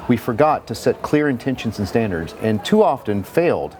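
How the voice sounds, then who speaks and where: A man's voice: medium pitch, sing-song, moderate pace, darkish tone. A man reading a scripted inspirational manifesto aloud.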